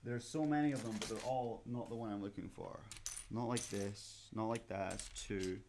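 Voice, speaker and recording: A man's voice: moderate pace, background noise. A man with a Scottish accent chatting casually as a museum livestream host while building a model kit, rambling with many fillers and restarts. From Scotland. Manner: animated, with sudden rises in pitch and loudness when excited.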